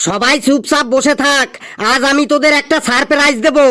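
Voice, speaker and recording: A cartoonish, high-pitched character voice at a moderate pace. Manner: stern, threatening.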